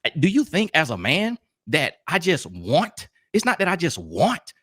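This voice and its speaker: A man's voice: a little high, huge pitch swings, moderate pace, fairly bright tone, breathy edge, dry recording, clean studio sound. A man in a heated debate as a podcast guest, talking in a preachy, emphatic, moralizing way.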